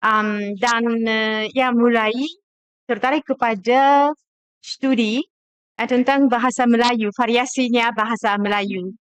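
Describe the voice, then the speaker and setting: A middle-aged woman with a Japanese accent, a native Japanese speaker using Indonesian as a foreigner, hesitant and halting, as an academic guest. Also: on the high side, fairly even intonation, smooth, dry recording. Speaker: guest, university linguist.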